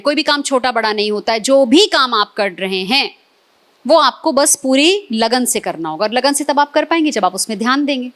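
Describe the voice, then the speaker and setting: An Indian etiquette trainer with a high voice and an Indian Hindi accent runs a live classroom workshop. She's animated, quizzing and coaxing her audience.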